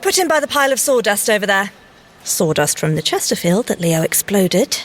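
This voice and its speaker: Prim young English scientist agent. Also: female voice, mid-range voice, sing-song, brisk. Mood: businesslike. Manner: polite, precise, gently wry. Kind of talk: audio drama dialogue.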